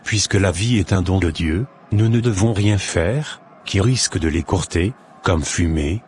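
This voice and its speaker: A man voicing an earnest Christian big brother in a cartoon, speaking in a measured, didactic, preachy way. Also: low voice, darkish tone, slight background noise. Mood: earnest, exhorting. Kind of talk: scripted cartoon dialogue, expository.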